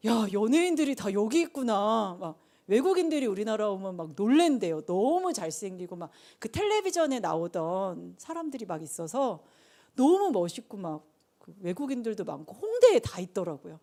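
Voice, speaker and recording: A middle-aged woman preacher giving a conversational sermon, telling the story with lively asides. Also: medium pitch, normal speed.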